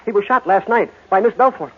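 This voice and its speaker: An actor playing an excitable, deferential ship's steward in an old-time radio drama, urgent and polite. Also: male voice, high voice, brisk, breathy edge. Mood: alarmed. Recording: muffled, very noisy old radio recording.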